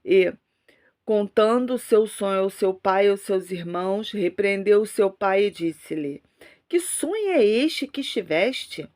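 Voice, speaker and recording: A Brazilian woman speaks as an online pastor. Her voice sits at a middle pitch for a woman, and she has a cold. She delivers her words in an emphatic religious style, leaning on repeated devotional phrases. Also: lively intonation, unhurried, a little mellow. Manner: emphatic, repetitive religious exhortation. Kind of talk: fervent prayer, preaching and scripture reading.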